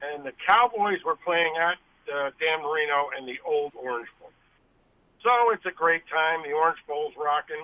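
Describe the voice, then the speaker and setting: In an ordinary speaking voice, a man talks at a moderate pace with a fairly high pitch, ordinary pitch variation and big swings in loudness. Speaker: caller. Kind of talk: casual chat. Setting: phone call.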